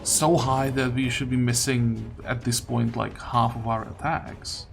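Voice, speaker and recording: A man's voice: medium pitch, level tone, unhurried, creaky. A man giving casual gameplay commentary, thinking aloud and muttering questions to himself as he plays. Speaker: gaming video host. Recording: game music behind the voice. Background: video game music.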